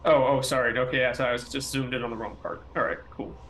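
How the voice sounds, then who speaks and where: A man's voice: mid-range voice, fairly even intonation, fast, fairly bright tone. Male gamer: casual game-table talk in a roomy, slightly noisy recording. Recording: echoey room, faint background noise.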